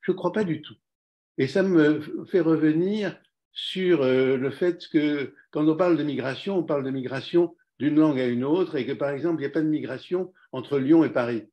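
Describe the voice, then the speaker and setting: A man's voice: a little high, normal speed, lo-fi sound. A man giving a reflective comment in an academic discussion on language and psychoanalysis, with hedging fillers. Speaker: lecture discussant.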